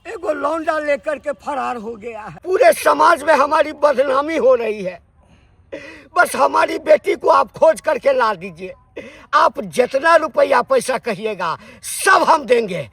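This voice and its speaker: A man playing a gravelly, boastful old father. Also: very high-pitched, unhurried, hardly any pauses, no room sound, heavily acted. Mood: pleading. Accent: Maithili. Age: older. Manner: boastful, shouting threats. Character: proud angry old rich father.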